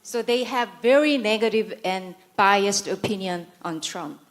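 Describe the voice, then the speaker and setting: A woman's voice: medium pitch, a little slow. A woman from South Korea, a native Korean speaker, delivering a prepared conference speech in Korean-accented English, full of dry, sarcastic humor and mock-serious asides.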